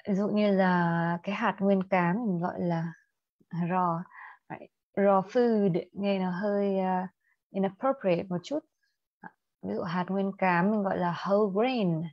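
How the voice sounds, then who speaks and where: A woman's voice: mid-range voice, fairly even intonation, slow pace, dry recording, dull audio. A young woman with a Vietnamese accent teaching an IELTS speaking lesson on a livestream, switching between Vietnamese and English and asking students questions.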